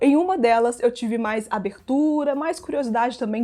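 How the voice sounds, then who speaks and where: In a Minas Gerais accent, a woman speaks at a fairly high pitch with a dark, mellow tone against a quiet background. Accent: Minas Gerais (mineiro) Brazilian Portuguese. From Brazil, Minas Gerais (Belo Horizonte). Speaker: psychologist, YouTuber. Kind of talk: casual talk to camera.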